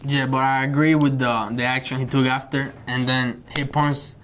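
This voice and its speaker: A young man born in Cuba, co-hosting a student news show in a joking, relaxed chat and reading news items aloud. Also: medium pitch, moderate pace. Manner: relaxed, joking, repeats himself.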